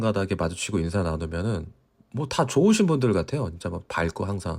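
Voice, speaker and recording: A somewhat breathy man talks at a fairly quick pace with very wide pitch swings, on a very clean recording with a silent background. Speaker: football podcast host. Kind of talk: casual podcast chat. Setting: podcast recording late at night.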